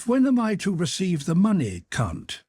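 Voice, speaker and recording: A cold, mocking card sharp, put on by a man reading aloud, cool and fully in control. The voice sits higher than the reader's own, husky and clipped, with a taunting lilt. It sounds dry and close. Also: wildly swooping pitch, normal speed, no room sound, heavily acted.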